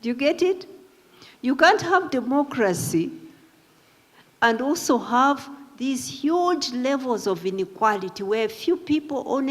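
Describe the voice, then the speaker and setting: A woman with an African accent giving a public talk, explaining emphatically and repeating phrases for stress. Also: on the high side. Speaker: panel speaker. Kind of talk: public talk answering an audience question. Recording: reverberant hall.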